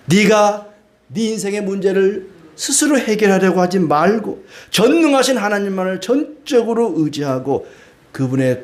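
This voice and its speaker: A man's voice: sits high, darkish tone. A middle-aged male pastor from Korea, preaching a sermon with homey stories and acted-out quotes.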